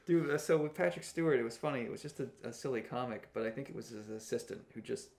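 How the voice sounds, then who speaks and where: A man's voice: mid-range voice, fast, creaky, darkish tone, echoey room. A man co-hosting a podcast, telling rambling anecdotes in casual chat and laughing at his own jokes. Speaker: co-host, comic book artist.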